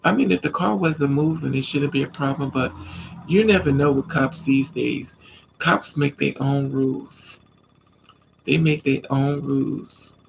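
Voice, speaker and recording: Gravelly man chatting on a live stream. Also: mid-range voice, measured pace, a little hiss or hum, poor audio. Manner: relaxed, chatty, talks back to commenters. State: stuffy nose, coming down with a cold. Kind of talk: casual live-stream chat, reading viewer comments.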